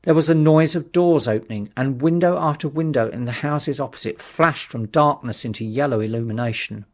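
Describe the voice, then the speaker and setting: A man narrating a literary audiobook in a measured, dramatic storytelling manner. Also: medium pitch.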